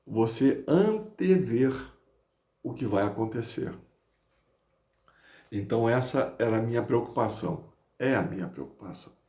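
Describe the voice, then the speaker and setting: In a room with audible echo, a man speaks at a fairly slow pace with long, frequent pauses, his medium-pitched, somewhat breathy voice dark and mellow in tone yet lively in intonation. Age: 70s. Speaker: betta fish breeder and genetics hobbyist. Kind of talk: monologue to camera.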